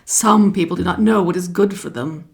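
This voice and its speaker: A woman voicing a knowing, smug snake in a children's story, speaking in a deliberate, instructive way. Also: fairly low pitch, slight background noise, lightly acted. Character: bicolored python rock snake, knowing, smug adviser.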